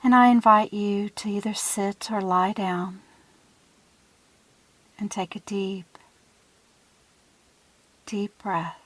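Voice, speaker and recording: A woman leads a guided meditation at a very unhurried pace. Her delivery is soothing and hushed, with phrases that trail off into breath. The recording is dry and close, with little room sound. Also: medium pitch, flat delivery, dry recording, low-quality recording.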